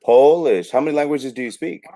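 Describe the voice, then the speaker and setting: A man's voice: medium pitch, fairly quick, mellow. A man co-hosting a podcast, asking questions and often murmuring agreement. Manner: attentive, frequent affirmations. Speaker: podcast co-host. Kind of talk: podcast interview.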